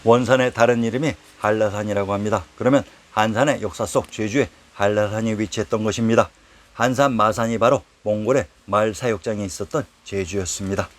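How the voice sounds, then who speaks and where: A man reading a formal lecture on old place names, reciting quotations from historical texts at a steady, even pace. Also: on the low side, fairly quick. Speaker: narrator of a history lecture series. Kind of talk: read-aloud historical lecture.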